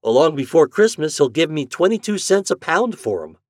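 A man's voice: fairly high pitch, big pitch swings, normal speed, a little mellow, no echo, clean studio sound, pitched above the performer's own voice. A man voicing an eager, jolly farm boy in a storybook, speaking in rustic old-time country dialect. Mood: eager, boastful. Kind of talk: storybook character voice.

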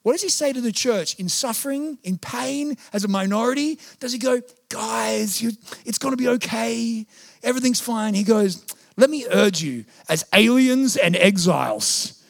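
Animated, high-voiced pastor. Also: male voice, normal speed, gravelly. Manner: animated, acts out voices and quotes. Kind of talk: sermon.

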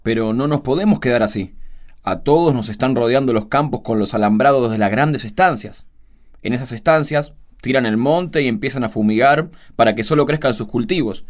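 Casting: male actor as earnest Argentine villager, mid-pitched, concerned and rallying, for a radio play. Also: fairly quick, lightly acted. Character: concerned rural neighbour man rallying others to act. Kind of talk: radio drama dialogue.

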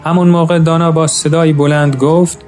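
A man narrating a story in a calm, measured way, now and then addressing his listeners as friends. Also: on the high side, soft background music. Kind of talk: scripted narration.

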